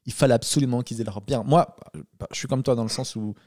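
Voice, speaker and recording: A man's voice: mid-range voice, steady tone, fast, darkish tone, no echo, clean studio sound. A man hosting a casual chat, talking in a blunt, slangy way. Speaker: podcast host.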